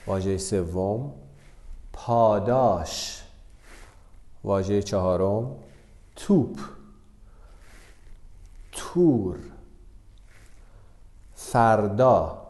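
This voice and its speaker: A man teaching the Persian script in a video lesson, dictating words slowly and drawing them out between quicker instructions. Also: on the low side, mellow. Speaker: language teacher. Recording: roomy echo.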